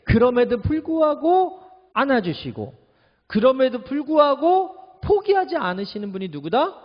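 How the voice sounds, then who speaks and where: A male pastor preaching a sermon in a church, moving between soft confiding talk and loud urgent preaching. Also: very high-pitched, sing-song, normal speed, in a large hall, dull audio. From Korea. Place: church sanctuary.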